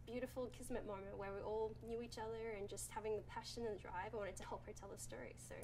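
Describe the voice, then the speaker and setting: A woman's voice: mid-range voice, fairly even intonation, fast talker, a loud crowd. A woman with an Australian accent, a director talking casually about her film, full of "like" and "um". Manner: chatty, heavy use of "like" and "um". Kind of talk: casual interview answers.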